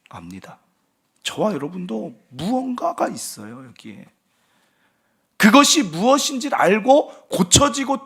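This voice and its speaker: Man preaching, lively swooping pitch, husky voice, loud emphasis then hushed asides. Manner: storytelling with acted quotes, swinging between loud emphasis and hushed asides. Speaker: pastor. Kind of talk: sermon. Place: church sanctuary.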